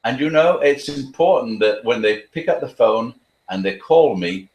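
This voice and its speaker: A man giving earnest advice as a dog trainer in an interview, talking quickly with frequent restarts. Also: medium pitch, animated, darkish tone, reverberant.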